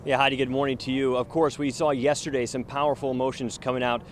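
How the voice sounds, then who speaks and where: A man's voice: medium pitch, level tone, slight background noise. A man co-anchoring a live morning news show, moving from breaking news to playful banter. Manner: brisk, playful banter between news reads.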